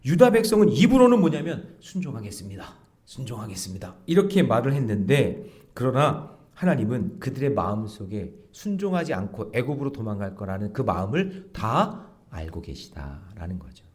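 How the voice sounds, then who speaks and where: A middle-aged pastor preaches an early morning prayer sermon in a church sanctuary, questioning the congregation and acting out the voices he quotes. His medium-pitched, slightly mellow voice is very animated, at a moderate pace with few pauses.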